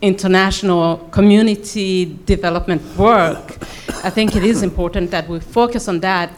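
A woman's voice: mid-range voice, a little mellow. A woman from Burundi with a Burundian accent, making earnest, explanatory spontaneous remarks as an audience member at a public forum. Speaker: audience member asking a question.

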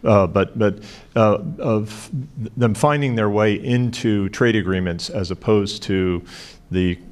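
A man's voice: on the low side, takes it slowly. A man who works as a consultant, asking a question from the audience and searching for his words.

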